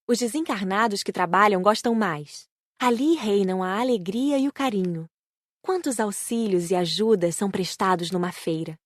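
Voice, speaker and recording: Brazilian woman, audiobook narrator, medium pitch, scripted reading, dry sound. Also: dry recording. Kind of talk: scripted narration of a spiritist book.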